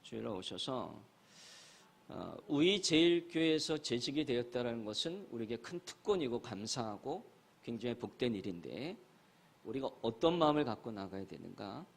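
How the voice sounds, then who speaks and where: A man's voice: mid-range voice, very animated, moderate pace, gravelly. A man preaching a sermon as a guest pastor, earnestly telling stories and addressing the congregation directly.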